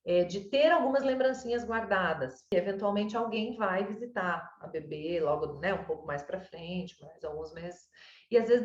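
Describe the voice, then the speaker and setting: A woman with a Brazilian Portuguese accent giving a parent advice, explaining patiently and checking in with "né?" and "sabe?". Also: lowish voice. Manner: warm explanatory, lots of "né?" and "sabe?". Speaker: child development consultant. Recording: roomy, distant, dull mic.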